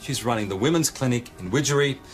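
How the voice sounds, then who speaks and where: An actor playing a calm, measured police sergeant in a TV drama. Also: male voice, medium pitch, faint music behind, natural voice. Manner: measured, reasoning.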